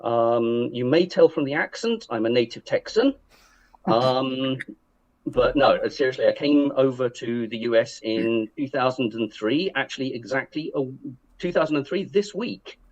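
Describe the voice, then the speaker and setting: Dude on a dull-sounding call, wry and kinda hesitant, lots of uhs. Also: male voice, mid-range voice, expressive, a little slow. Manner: wry, hesitant, many uh fillers. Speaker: panel guest. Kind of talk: casual introduction.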